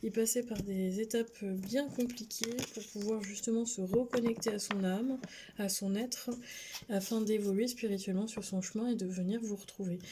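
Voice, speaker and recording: A soft-spoken woman mumbles at a moderate pace. Her intonation is monotone and flat. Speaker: tarot card reader. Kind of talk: tarot reading video. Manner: soft-spoken, mumbling; hesitant.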